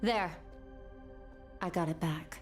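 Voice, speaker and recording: A woman's voice: fairly low pitch, slow pace. An actress playing a cool, stoic, battle-hardened swordswoman and mentor in a video game, composed and aloof. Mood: grave, composed. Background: game music.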